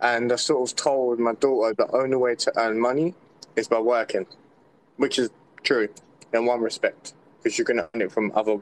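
A man's medium-pitched voice at a fairly quick pace, dry, close sound with no echo. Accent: London. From East/North London. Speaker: listener caller, young father. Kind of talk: casual chat.

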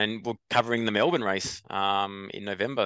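A man's bright, sharp voice in a flat monotone, with a dry, close sound, no echo, and a quiet background. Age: 40s. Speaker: retired professional triathlete and commentator. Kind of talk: casual chat. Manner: talkative.

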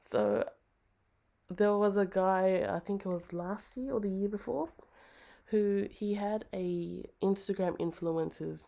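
A woman speaks in an Australian accent against a quiet background. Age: 30s. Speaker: podcaster. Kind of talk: casual solo monologue about personal experiences. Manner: casual, chatty, laughs often.

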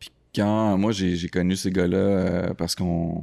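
A man's very deep, low voice, dark and mellow in tone, with monotone, flat intonation, on a very clean recording with a silent background. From Quebec, Anjou in east Montreal. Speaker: DJ and hip-hop producer. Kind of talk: casual chat.

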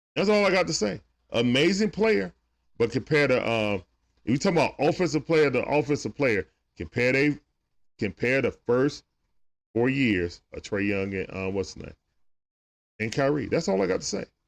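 In an Atlanta accent, a man speaks at medium pitch with very wide pitch swings. Long, frequent pauses break up his speech, in a dry, close sound with no echo. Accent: Southern US, Atlanta. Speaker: sports fan livestreamer. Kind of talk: live sports commentary, play-by-play. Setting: live stream with chat. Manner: animated, rapid-fire play-by-play, emotional; casual, chatty with viewers.

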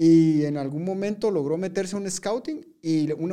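Speaking in a Guatemalan accent, a man has a dark, mellow tone. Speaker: podcast host. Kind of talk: casual interview. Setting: studio.

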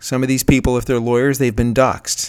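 A man at medium pitch with fairly even intonation, in a very clean recording with a silent background. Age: 60s. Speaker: podcast host, entrepreneur. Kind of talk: political commentary monologue. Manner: hesitant, with many fillers.

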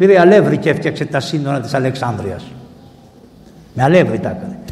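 A man talks at a fairly quick pace with ordinary pitch variation. Noticeable background noise and audible room echo fill the recording. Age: 60s. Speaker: priest. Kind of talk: sermon. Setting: church. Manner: animated.

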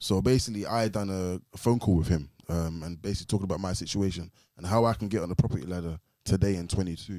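Dark, mellow tone with a London accent, a very fast pace and ordinary pitch variation. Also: man, very deep, low pitch for a man, very clean recording, silent background. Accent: London (multicultural London English). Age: 30s. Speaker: podcast host and youth mentor. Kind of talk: casual interview chat.

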